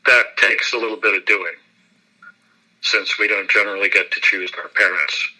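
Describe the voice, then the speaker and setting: A man, an actor, giving a relaxed and self-deprecating interview, laughing often as he talks. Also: on the low side, moderate pace, low-quality recording.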